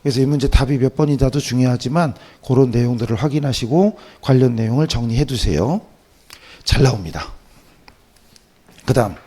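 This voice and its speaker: A man with a voice hoarse from a cold, teaching an accounting class through practice questions with short check-in questions. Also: mid-range voice, dark tone. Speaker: accounting exam lecturer.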